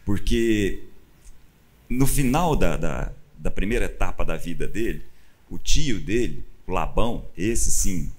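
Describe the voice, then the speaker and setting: A male pastor with a Brazilian Portuguese accent teaches the Bible in conversation, telling the story with animated bursts and acting out quoted lines. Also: low voice, slow pace.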